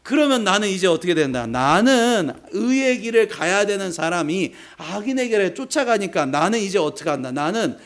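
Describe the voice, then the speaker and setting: High-voiced Korean pastor preaching with emphasis. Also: male voice, very animated, moderate pace, hardly any pauses. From South Korea. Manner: emphatic, asks the congregation questions and answers them himself; acts out short quoted voices of God and of tempted people. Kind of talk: sermon.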